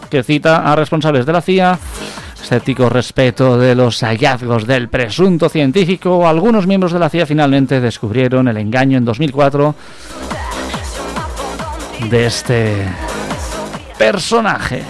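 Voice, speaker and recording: A man's voice: fairly high pitch, clean tone. A man hosting a radio comedy show, reading odd news and telling jokes in a dry way. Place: radio studio.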